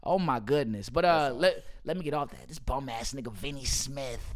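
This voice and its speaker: A man's voice: medium pitch, normal speed, a crowd in the background. A man in his late twenties hosting a casual podcast chat, talking loosely with slang and frequent laughter. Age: 20s. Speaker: podcast host. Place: Houston area. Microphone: studio mic.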